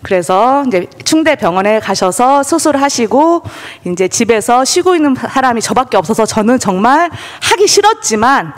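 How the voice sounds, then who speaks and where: A woman telling her personal testimony at a church service, animated storytelling that acts out the voices she quotes. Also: on the high side, moderate pace, hardly any pauses. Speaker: church member giving testimony. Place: church sanctuary. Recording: church hall reverb.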